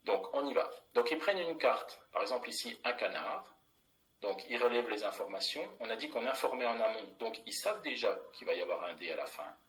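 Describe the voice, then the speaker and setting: A man's voice: medium pitch, lively intonation, fairly quick, a bit bright, rough recording. A middle-aged man, a primary school teacher, explaining a classroom method in a plain, methodical way with many fillers and restarts.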